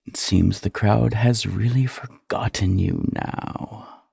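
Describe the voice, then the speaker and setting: A man playing a sly, condescending courtier in a fantasy audio drama, talking in a mocking, unhurried way. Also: lowish voice, fairly even intonation, gravelly, mellow, breathy edge, dry recording, full character voice. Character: sly, condescending male courtier needling a rival.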